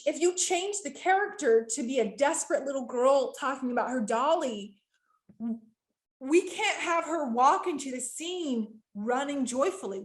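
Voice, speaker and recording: A woman who works as an animator and voice-over coach teaches a virtual workshop. She talks in quick, lively bursts with frequent fillers and speaks directly to her audience. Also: sits high. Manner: addresses the audience directly and often.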